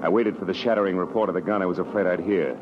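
A man acting a wry, world-weary private detective in a 1940s radio drama, with clipped, slangy, deliberate delivery. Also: sits low, natural voice. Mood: tense narration. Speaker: lead actor and narrator. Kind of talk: 1940s radio drama acting, first-person noir narration. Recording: muffled old radio broadcast, music behind.

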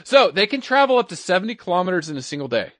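A man's voice: sits high, very animated, rapid-fire, fairly bright tone, dry recording. A man co-hosting a podcast, explaining science in an informal, chatty way and often repeating himself. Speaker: podcast co-host. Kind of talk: casual science chat.

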